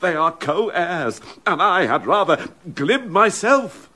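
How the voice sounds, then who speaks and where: An outspoken loyal courtier. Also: male voice, slow, heavily acted. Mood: defiant. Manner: urgent, pleading, lively pitch. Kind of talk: classic stage verse drama, radio play.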